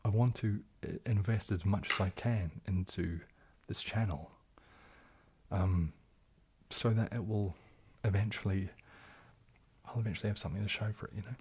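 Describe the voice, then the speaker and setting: A young man hosting a casual livestream Q&A, soft-spoken and often slipping into a whisper. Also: on the low side, moderate pace, slight background noise. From New Zealand. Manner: soft-spoken, drifting into whispers, frequent restarts. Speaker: ASMR livestream host.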